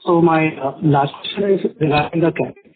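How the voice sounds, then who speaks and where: A man's voice: on the high side, moderate pace, breathy edge. Direct a man calling in as an analyst, asking polite, formal questions while his line keeps breaking up into choppy fragments. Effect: breaking-up, choppy phone line audio. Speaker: analyst caller on an earnings call. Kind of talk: conference call question. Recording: tinny, distant phone line.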